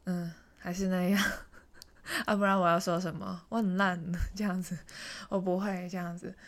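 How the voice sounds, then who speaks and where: A young woman from Hong Kong chats through a personal story in a casual, self-mocking way. Her voice sits a little low for a woman. Now and then she drops into a hushed, half-whispered aside. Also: little pitch movement, normal speed. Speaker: vlogger.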